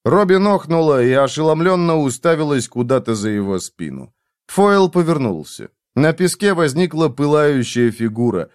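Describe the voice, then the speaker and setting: A man narrating an audiobook in a tense, expressive reading style. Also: a little high, normal speed, dry recording, studio quality.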